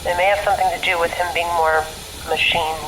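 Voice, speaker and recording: A woman's voice: fairly low pitch, fairly even intonation, fairly quick, close to an everyday voice. An actress playing a weary, analytical woman trapped on a train, recording her journal in an audio drama. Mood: weary, uneasy. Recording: noisy, echoey train car.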